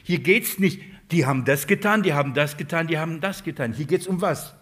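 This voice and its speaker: A man's voice: fairly high pitch, a little fast, fairly bright tone. A man preaching a Bible-study sermon, putting questions to his listeners and answering them himself.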